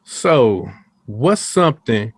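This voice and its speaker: A man's voice: medium pitch, very animated, slow, slightly rough, no echo. A man in his forties co-hosting a podcast, talking casually and enthusiastically, repeating short phrases. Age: 40s. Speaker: podcast co-host.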